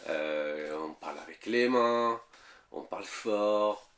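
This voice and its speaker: Deep-voiced Italian man, hesitant. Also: slow, a bit bright. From Italy. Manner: hesitant, many fillers and repeated words. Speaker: interviewee. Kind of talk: casual interview talk.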